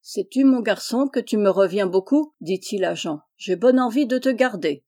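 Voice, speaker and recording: A woman reading aloud and voicing a brusque, hearty middle-aged farmer, gruff and booming at times. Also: lively intonation, moderate pace, dark tone, lightly acted. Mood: jovial.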